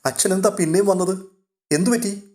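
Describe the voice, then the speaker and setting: A man's voice: fairly high pitch, moderate pace, darkish tone, close to an everyday voice. A man voicing an anxious, loving young woman who is a tender elder sister, speaking in a raised, pleading way. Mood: worried.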